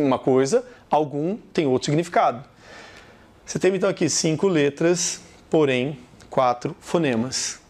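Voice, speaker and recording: A man's voice: a little high, a little mellow. A man with a Brazilian Portuguese accent teaching a lesson, emphatic and repeating each point, acting out little example sentences. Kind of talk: classroom lesson.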